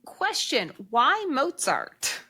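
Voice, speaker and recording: A woman's voice: high voice, wildly swooping pitch, very slow, bright, forceful tone. A woman hosting a casual interview, asking the questions and chatting with the guest. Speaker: interviewer, show host.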